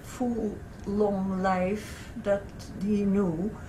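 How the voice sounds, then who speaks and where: Speaking very slowly, a woman with a medium pitch comes through over noticeable background noise. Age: 80s+. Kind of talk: interview answer.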